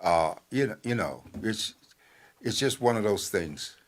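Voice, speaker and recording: An older man with a fairly low voice, talking as a newspaper editor on a talk program. He speaks in a measured, halting way and fills his pauses with many uhs and ums. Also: lively intonation. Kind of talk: radio talk commentary.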